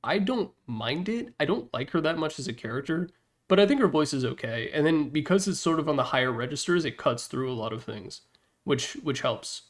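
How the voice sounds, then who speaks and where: A man's voice: a little high, lively intonation, a little fast. A man presenting a ranking video with casual, opinionated commentary, informal and mildly profane, with wry asides. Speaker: presenter of a tier list slideshow video.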